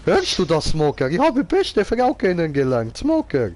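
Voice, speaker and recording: A man's voice: high voice, wildly swooping pitch, moderate pace, a little mellow. A man giving casual live gaming commentary in clownish, slangy broken grammar, as a streamer. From Switzerland. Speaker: game streamer.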